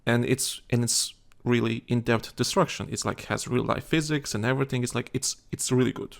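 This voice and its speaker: A man's voice: medium pitch, a little fast, creaky. A tired man co-hosting a casual gaming chat show, rambling with many restarts and fillers. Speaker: podcast co-host.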